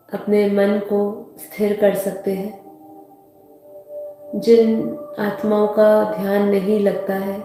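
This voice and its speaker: An Indian woman leads a guided meditation in a soothing, very slow delivery. Her pitch stays flat and even, and she often repeats her phrases. The voice is drenched in echo. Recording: heavily echoing voice over soft music.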